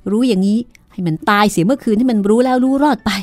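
A woman's voice: mid-range voice, fairly quick, darkish tone, dry recording, faint music behind, lightly acted. A woman reading an audiobook, voicing a harried, defensive young man in a horror story. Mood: flustered. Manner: flustered, exasperated pleading.

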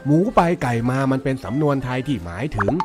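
A gruff, exasperated old village uncle in a cartoon story, voiced by a man. He scolds and teases in a plain mid-range voice. A music track runs clearly behind him. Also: medium pitch, expressive, fast talker, natural voice. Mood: scolding. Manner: scolding, grumbling, teasing. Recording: music bed underneath.

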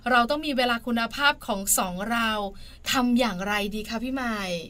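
A woman hosting a casual podcast chat, asking questions and answering her guest with quick affirmations. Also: a little high, lively intonation, fairly bright tone. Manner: chatty, affirming, asks questions. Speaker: podcast host.

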